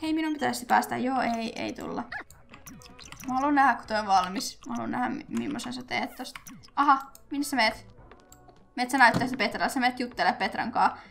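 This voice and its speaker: A young woman with a somewhat high voice chats loosely through her gameplay. She giggles often and speaks straight to the characters on screen. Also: big pitch swings, creaky, fairly bright tone, soft background music. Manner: chatty, giggly, talks to her game characters. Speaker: gaming YouTuber. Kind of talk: casual Let's Play commentary.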